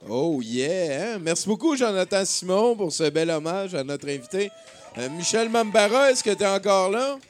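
Energetic man hosting live radio. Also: high voice, moderate pace, slight background noise. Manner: energetic announcing with frequent fillers. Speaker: radio host.

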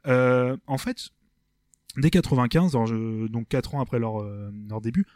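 Man, casual podcast, dark voice. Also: medium pitch, normal speed, dry recording, clean studio sound. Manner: rambling, hesitant, many fillers and restarts. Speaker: podcast co-host presenting a band. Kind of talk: casual music podcast chat. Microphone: desk microphone.

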